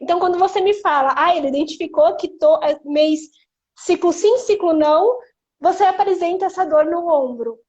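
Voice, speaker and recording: A Brazilian woman hosting a live stream, reflecting out loud in long, explanatory sentences. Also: extremely high pitch, moderate pace, lo-fi sound. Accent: Brazilian Portuguese. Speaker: host.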